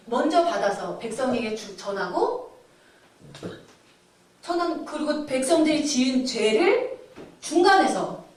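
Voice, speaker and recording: A woman teaching a Bible study lecture, acting out the laments she quotes with sighs. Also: high voice. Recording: very echoey room, mic far off.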